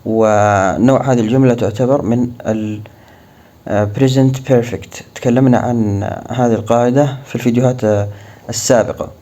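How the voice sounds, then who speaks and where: A man whose first language is Arabic gives a language lesson in a mellow, warm voice. He says each English example slowly and deliberately, then explains it. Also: mid-range voice, steady tone. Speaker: English teacher.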